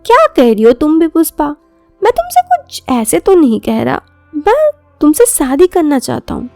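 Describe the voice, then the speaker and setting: A woman plays a young college boyfriend in a romantic audio story. He is smitten, coaxing and insistent, with a high, creaky, mellow voice. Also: wildly swooping pitch, moderate pace, no room sound, faint music behind, exaggerated voice.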